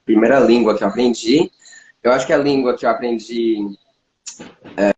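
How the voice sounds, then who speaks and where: A man's voice: medium pitch, moderate pace, a little mellow, dull audio. A man who speaks Portuguese as a learned language, chatting casually as a co-host and often restarting his sentences. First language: not Portuguese. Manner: hesitant, many restarts and fillers. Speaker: co-host, polyglot. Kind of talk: casual chat. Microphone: livestream recording. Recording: roomy echo, faint noise.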